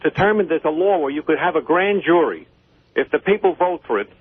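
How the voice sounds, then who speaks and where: An older man calling in to a talk show, arguing insistently with halting phrasing. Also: a little high, lively intonation, husky, no echo. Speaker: caller, the host's father. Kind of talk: opinionated phone-in talk. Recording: tinny, narrow phone line.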